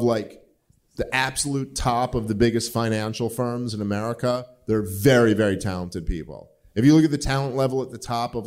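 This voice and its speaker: Speaking in a medium-pitched, darkish voice, a man around forty answers audience questions on his podcast. The casual live Q&A is rambling and profane, full of filler words.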